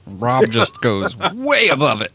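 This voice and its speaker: A man's voice: medium pitch, huge pitch swings, takes it slowly, pushed and bright, breathy edge. A man in his thirties bantering casually as a podcast player in a joking, self-deprecating way. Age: 30s.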